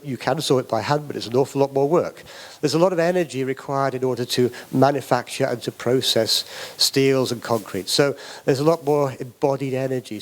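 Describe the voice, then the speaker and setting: A middle-aged man with a British accent speaks at a public talk. He hesitates often, with many "uh"s and repeated words as he finds his way. His voice sits at an ordinary middle pitch. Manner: hesitant, many fillers and restarts. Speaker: academic speaker on wood construction.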